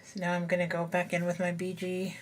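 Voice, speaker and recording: Woman with a bit of a froggy voice, lowish, just chatting along while she colors. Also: completely flat delivery, a little fast, heavy background noise. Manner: chatty, thinking aloud while working. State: slightly froggy voice. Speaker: coloring tutorial host. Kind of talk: casual voice-over demonstration.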